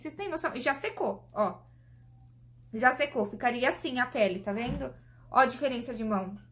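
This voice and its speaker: A Brazilian beauty vlogger with a high-pitched, pushed, bright voice chats eagerly to camera as she reviews products. She tries each one on her hands while talking and keeps calling out to her viewers as "gente".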